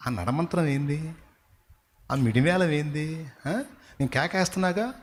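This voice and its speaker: A male pastor preaching a sermon in an animated way, putting questions straight to his congregation. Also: medium pitch.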